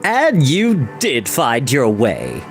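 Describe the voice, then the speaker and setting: Storyteller voicing a soft, enigmatic male guide. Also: mid-range voice, wildly swooping pitch, soft background music, voice pushed down, exaggerated voice. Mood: warm, wise. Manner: warm, measured, mysterious. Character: Gwion, warm, enigmatic male guide in a fantasy tale.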